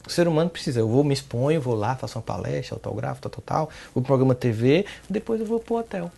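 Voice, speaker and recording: A middle-aged man from Paraíba talks through an interview as a psychologist. His delivery is animated, with his pitch leaping upward whenever he stresses a point, and he keeps checking in with short tags like "né?" and "entende?". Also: quick pace, creaky, slightly rough. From Paraíba, Northeast Brazil. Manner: animated, pitch jumping up on emphasis, frequent "né?" and "entende?". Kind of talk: reflective interview talk.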